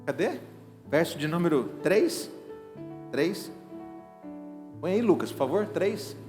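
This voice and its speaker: Man, middle-aged pastor, emphatic sermon, fairly high voice, long church echo. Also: very animated, slow pace. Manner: emphatic, swings between hushed and loud preaching. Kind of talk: evangelical sermon. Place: church sanctuary. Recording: reverberant hall with faint music behind.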